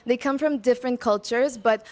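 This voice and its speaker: A woman's voice: on the high side, normal speed, a little mellow. A woman in her twenties who grew up in Macau, answering pageant interview questions in a bubbly way, laughing between answers and mixing in Tagalog words. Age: 20s. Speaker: pageant candidate.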